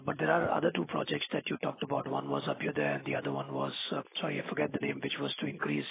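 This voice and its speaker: A man's voice: a little high, creaky, slightly rough. A man asking questions as an analyst on a conference call over the phone. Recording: dry, tinny phone line.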